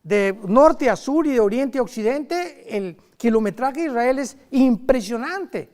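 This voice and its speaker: A man preaching a sermon in a lively, conversational way, with sudden loud emphasis and quick asides. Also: very high-pitched.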